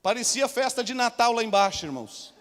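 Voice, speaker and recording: A Brazilian pastor with a strikingly high-pitched voice preaches a storytelling sermon, often calling out to his congregation. His voice carries a long church hall reverb, with each phrase trailing off into the room. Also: expressive, fairly quick, fairly bright tone. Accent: Brazilian Portuguese.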